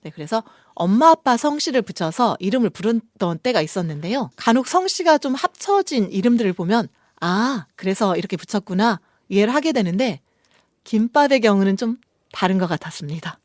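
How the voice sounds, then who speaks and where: A woman's voice: mid-range voice, sing-song, brisk, a little mellow, dry recording, studio quality. A woman co-hosting a radio show, reading poems expressively and chatting politely and reflectively about books. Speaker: radio co-host. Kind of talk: scripted poem reading and relaxed book chat.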